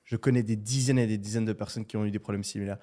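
A man co-hosting a casual podcast, making an emphatic, argumentative case and filling pauses with "euh". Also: fairly low pitch, steady tone, dark tone. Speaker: podcast co-host.

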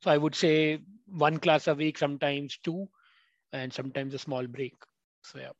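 A man's voice: fairly high pitch, fairly even intonation, moderate pace, no echo. Hesitant man on a dull call line. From India. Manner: hesitant, many fillers. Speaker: guest, former language student. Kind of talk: casual interview. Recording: dull, dry call audio.

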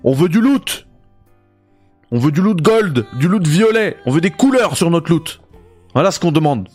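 A man's voice: on the high side, sing-song, normal speed, a little mellow, faint music behind. Sarcastic man ranting about games. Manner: mock-outraged, ironic, familiar. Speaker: gaming video host. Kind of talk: sarcastic gaming rant.

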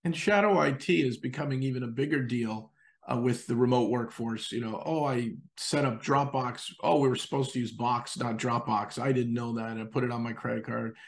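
Gravelly enthusiastic man hosting an interview. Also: mid-range voice, steady tone, moderate pace. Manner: enthusiastic, acts out quoted users. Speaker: host.

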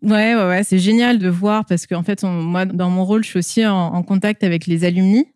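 A woman's voice: medium pitch, fairly even intonation, a little mellow, clean tone, no room sound, studio quality. Woman talking hesitantly through a face mask. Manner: hesitant, halting delivery with frequent filled pauses. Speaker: interview guest, school staff working with companies and alumni. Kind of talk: conversational interview answers.

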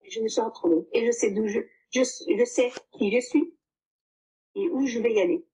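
Earnest woman in her fifties, fairly high voice. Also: normal speed, mellow, poor audio. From Portugal. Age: 50s. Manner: earnest, heartfelt, with frequent hesitations. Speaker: coaching client giving a testimonial. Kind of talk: emotional personal testimony.

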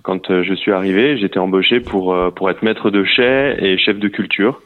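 A man in his thirties talks over a muffled phone line, his voice sitting fairly low. He hesitates a lot and restarts his sentences as he talks about running a wine estate. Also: moderate pace. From Normandy, France. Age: 30s. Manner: hesitant, many fillers and restarts. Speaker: winery general manager. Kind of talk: phone interview. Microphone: telephone.

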